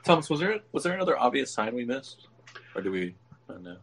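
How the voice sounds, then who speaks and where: A man with an average-pitched voice talks casually as a player in a tabletop game. His delivery is conversational and informal. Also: big pitch swings, fast talker, fairly bright tone, slightly rough.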